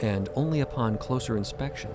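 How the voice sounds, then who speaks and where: A man with a creaky voice narrating a scripted story. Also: medium pitch, a little fast, over music.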